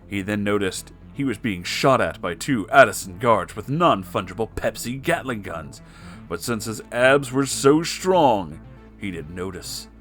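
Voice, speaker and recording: A man's voice: on the low side, lively intonation, unhurried, a bit bright, soft background music. A man narrating a comic fan story in a theatrical, mock-serious dramatic reading. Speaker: story reader.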